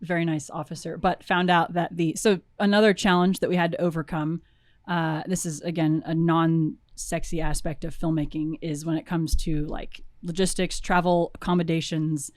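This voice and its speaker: A woman's voice: low-pitched, moderate pace, no echo. Chatty woman telling a producer's tale. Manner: animated, laughing, many fillers and restarts. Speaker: film producer guest. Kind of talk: casual storytelling interview.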